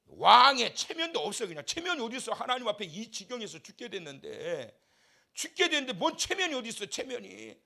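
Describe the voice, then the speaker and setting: A male pastor preaching a fervent revival sermon in a church, swinging from shouts to quiet asides and leading the congregation in call-and-response. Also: extremely high pitch, big pitch swings, fairly quick, creaky. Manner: impassioned, shifts between shouting and soft asides. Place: church sanctuary.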